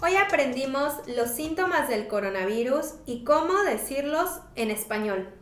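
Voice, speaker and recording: A woman teaching a lesson, speaking slowly and carefully for learners. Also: high voice, lively intonation, echoey room. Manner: slow, careful enunciation for learners. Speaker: Spanish teacher. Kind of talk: slow scripted language lesson.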